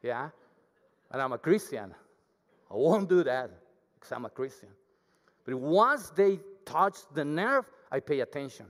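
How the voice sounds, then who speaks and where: A man with a thick Mexican accent preaches to a congregation in a humble, self-deprecating way, talking with them rather than at them. His voice sits a bit high for a man. The sound carries a long church-hall reverb. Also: sing-song, a little slow, long pauses, fairly bright tone. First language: Spanish. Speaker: guest preacher. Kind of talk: sermon.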